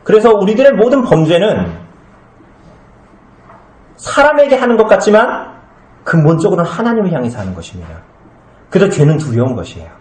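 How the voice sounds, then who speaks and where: A man's voice: high voice, very animated, brisk, pauses often, a little mellow. A man preaching a sermon as pastor, talking conversationally, asking his congregation questions and acting out little comic scenes. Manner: acts out short comic scenes with changed voices. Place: small church hall. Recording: echoey room.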